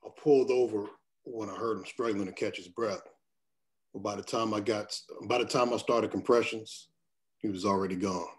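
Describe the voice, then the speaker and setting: A man's voice: lowish voice, steady tone, normal speed, natural voice. An actor at a table read voicing a troubled male doctor in an earnest, clipped way. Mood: uneasy.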